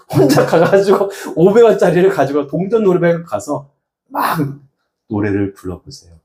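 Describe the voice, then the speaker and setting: A male pastor giving a sermon in a folksy, animated way, breaking into laughs and acting out little examples. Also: medium pitch. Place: church hall. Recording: echoey hall.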